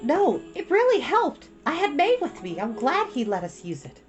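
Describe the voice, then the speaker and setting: A woman's voice: high-pitched, wildly swooping pitch, normal speed, dull audio, soft background music, pitched above the performer's own voice. A woman voicing a polite, responsible schoolgirl big sister in a children's storybook. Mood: polite, apologetic.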